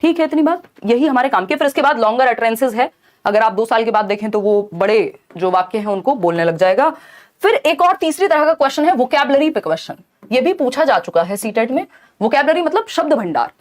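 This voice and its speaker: A woman with a high, bright-sounding voice teaches an exam-prep lecture. She explains each point step by step and keeps checking in with her students. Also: lively intonation, a little fast.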